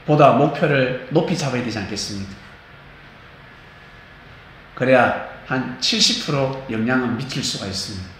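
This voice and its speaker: A man preaching a sermon as pastor, animated, acting out quotes and singing bits of hymns. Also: mid-range voice, moderate pace, pauses often. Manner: animated, acts out quotes, sings snatches of hymns. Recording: echoey church hall, faint noise.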